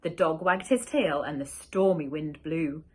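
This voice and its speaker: A woman teacher reading a rhyming picture book aloud, slow and expressive. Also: low voice.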